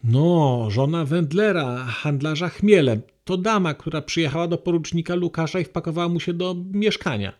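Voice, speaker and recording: A man reading aloud, voicing a gentle, patient young woman who speaks in a softly coaxing tone. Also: on the high side, normal speed, few pauses, close to an everyday voice.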